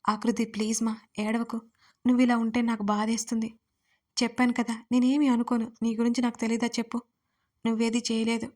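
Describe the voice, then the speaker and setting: A gentle, affectionate young woman from an audio story, voiced by a woman narrator. She talks softly and comfortingly. The voice sits a touch high and moves within a narrow range. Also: little pitch movement, brisk, lightly acted. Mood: consoling.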